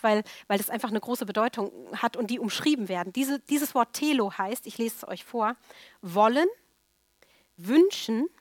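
A woman's voice: fairly high pitch, no echo, studio quality. A woman preaching a sermon emphatically, repeating key words for stress.

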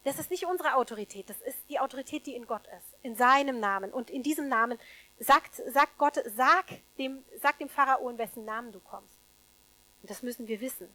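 A woman preaching a sermon to a congregation, emphatic, swinging between loud stresses and hushed asides, with rhetorical questions to the listeners. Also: high-pitched, fairly quick, rough recording.

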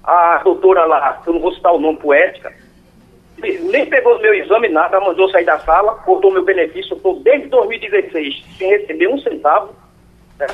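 Man in his sixties, raspy, highish, over the phone. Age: 60s. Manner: halting, pleading, repeats himself. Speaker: caller. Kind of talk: phone-in question. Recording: phone line.

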